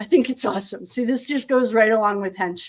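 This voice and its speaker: A woman with an American accent speaks in a normal speaking voice at a fairly high pitch, with ordinary pitch variation. The recording is very clean with a silent background. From New Hampshire, US. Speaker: true crime tarot YouTuber. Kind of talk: reading aloud court transcript with commentary. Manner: casual.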